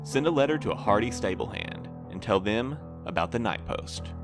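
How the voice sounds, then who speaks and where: A man's voice: lowish voice, lively intonation, moderate pace. A man reading a scripted podcast outro as the show's announcer. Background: plucked guitar music.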